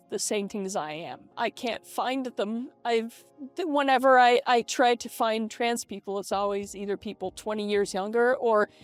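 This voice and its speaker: Higher-pitched middle-aged woman vlogger, halting, voice-changed. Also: smooth. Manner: halting, reflective, with repeated false starts. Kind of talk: casual personal vlog monologue. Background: lo-fi video game music.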